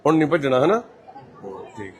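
A man's voice: fairly high pitch, very animated, fairly quick, a faint crowd. Man reassuring patients on camera. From Punjab, India. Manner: gentle and reassuring, calls people mother and brother. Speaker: volunteer host of a care society. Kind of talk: casual on-camera walkthrough talk.

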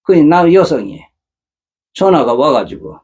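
A middle-aged man who hosts a matchmaking agency channel speaks earnestly to his viewers in a casual monologue, lecturing them with rhetorical questions. His husky, darkish voice sits on the high side with big pitch swings and a measured pace, and the recording is muffled.

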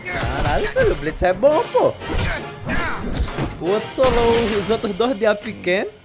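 A man's voice: sits high, huge pitch swings, normal speed. A young Brazilian man in his twenties giving slangy, sweary live reaction commentary into a close microphone. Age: 20s. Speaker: reaction video host. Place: small indoor room. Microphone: close desk microphone. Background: music from the cartoon being watched.

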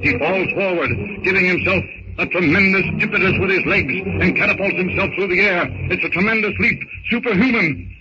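Muffled old 1930s radio recording, clear hiss and noise, male serial narrator, high voice, melodramatic, suspenseful. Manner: melodramatic, suspenseful, theatrical delivery. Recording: noisy, muffled early 1930s radio broadcast. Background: heavy old-recording noise.

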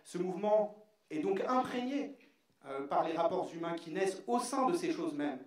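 A man reads an academic talk at a measured pace, his voice slightly high. The sound is very echoey and comes from far off in a big hall. A few fillers break up his reading. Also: lively intonation. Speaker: panelist. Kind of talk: read academic presentation. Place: large hall on a stage.

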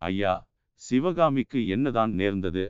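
A man's voice: on the low side, lively intonation, unhurried, clear, resonant tone, no echo. A man voicing a young warrior prince who speaks firmly and with authority, in a dull, lo-fi audiobook recording. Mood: gentle. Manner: firm, authoritative. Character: young warrior prince, commanding yet restrained.

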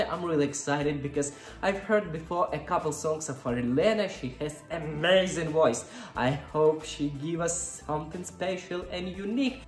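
Young man, gushing reaction host, roomy echo, faint music behind. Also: a little high. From Ukraine. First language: Russian and Ukrainian. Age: 20s. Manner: effusive, exclaims often, simple non-native English. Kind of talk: casual reaction vlog. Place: indoor room, seated before an ornate armchair. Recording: echoey room with faint music.

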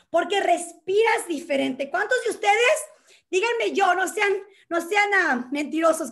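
A woman with a very high voice gives a motivational workshop from her home. She talks with lively energy, dropping English words into her Spanish as she coaches a group. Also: vocal fry. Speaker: workshop host.

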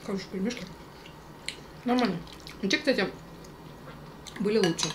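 Woman, mukbang host, talks with her mouth full at the table, even mid-range voice, clattering dishes in a noisy room. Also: mid-range voice, normal speed. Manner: chatty, teasing, talks between bites. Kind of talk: casual chat while eating.

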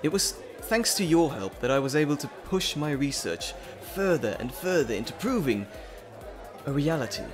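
An earnest, bookish professor played by a male actor in a dramatic audio roleplay. His voice is fairly high and swings expressively, though he takes his time, stammering through wordy, formal phrases. Faint music sits behind him. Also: lively intonation, normal speed, crowd noise, lightly acted. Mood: confiding, earnest.

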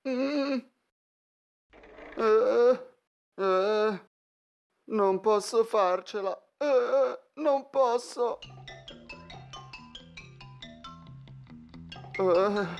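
A woman's voice: a little high, drawn-out words, creaky, long pauses, darkish tone, dull audio, exaggerated voice. A woman voicing a whiny, easily frightened young schoolboy in a cartoon fandub, stammering and exclaiming. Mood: anxious. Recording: music behind the voice.

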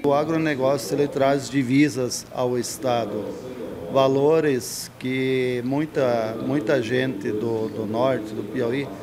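Slow, even-toned older Brazilian man. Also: medium pitch, music in the background. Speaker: farm association interviewee. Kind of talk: halting TV interview answer. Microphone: handheld reporter microphone. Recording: busy crowd behind.

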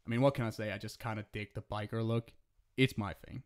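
A man's voice: lowish voice, steady tone, fairly quick, natural voice. A man voicing a cheeky, flirty male demon in a casual, sardonic ASMR roleplay monologue, joking and swearing freely. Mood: amused, boastful.

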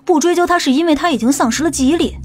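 A woman acts out a sharp-tongued policewoman with a high voice. She is stern and commanding, scolding as in an audiobook drama, with faint music underneath. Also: racing, lightly acted. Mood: angry. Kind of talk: audiobook character acting.

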